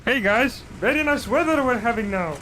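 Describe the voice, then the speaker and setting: Very high-voiced bossy young man gaming. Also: expressive, normal speed, pushed and bright. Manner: bossy, mock-pompous squad leader. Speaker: gamer. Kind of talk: playful in-game voice chat. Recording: game engine noise behind.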